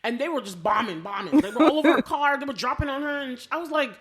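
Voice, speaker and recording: An American woman co-hosting a podcast, chatting casually about a film in an animated storytelling way and acting out reactions as she goes. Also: high-pitched, fast talker, crowd noise. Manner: animated storytelling, acts out reactions in quoted asides. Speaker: podcast co-host. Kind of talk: casual film review chat.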